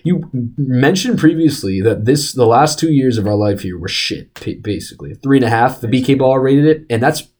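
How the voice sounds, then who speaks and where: A young man co-hosting a casual sports podcast, talking in an animated, rambling way full of restarts and fillers. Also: medium pitch, a little fast, hardly any pauses. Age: young adult. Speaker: podcast co-host. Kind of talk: casual chat.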